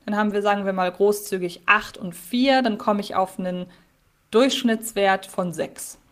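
A woman co-hosting a casual podcast, thinking out loud. She hesitates often, restarting phrases and filling pauses as she weighs her views. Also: mid-range voice. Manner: thoughtful, hesitant with many fillers. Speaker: podcast co-host.

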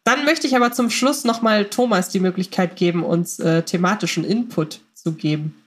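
A woman's voice: mid-range voice, moderate pace. A woman hosting a podcast, casually moderating and putting questions to her guests. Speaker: podcast host.

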